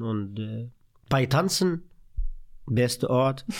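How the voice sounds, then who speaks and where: A man talks with an Arabic accent on a very clean recording with a silent background. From Syria. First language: Arabic (speaking German). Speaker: theatre director. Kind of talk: casual interview. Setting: radio studio. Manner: halting, non-native phrasing.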